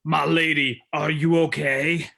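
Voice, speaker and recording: A man's voice: fairly high pitch, little pitch movement, measured pace, vocal fry, bright, forceful tone, heavily acted. A man playing a tough, cocky young wrestling prince, delivering a defiant theatrical promo. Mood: concerned. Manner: taunting, defiant.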